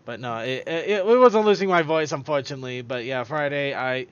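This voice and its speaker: A man's voice: mid-range voice, fairly quick, smooth, no room sound, highs cut off. A man hosting a podcast in casual chat, rambling and stumbling over his words as he goes. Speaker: podcast host.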